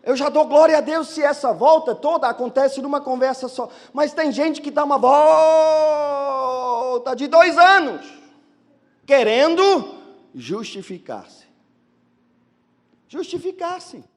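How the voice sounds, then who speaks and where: A man with another first language preaching a lively sermon as a pastor, acting out the excuses people give. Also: very high voice, slow pace, long pauses, long reverb tail. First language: not Portuguese. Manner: animated, acts out excuses of churchgoers.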